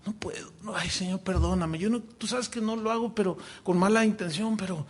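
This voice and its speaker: Here a Mexican man voices a weary American Bible teacher, close to begging. The words come low and hushed, each one a soft plea. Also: a little fast, a little hiss or hum. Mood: pleading. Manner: hushed, pleading murmur.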